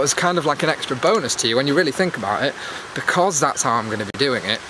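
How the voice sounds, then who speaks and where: Here a YouTube host with a medium-pitched voice talks casually into a handheld camera as he walks outdoors through a public spot. He's chatty and rambling, tossing in jokes and digs at himself for his viewers, with clear outdoor noise behind him.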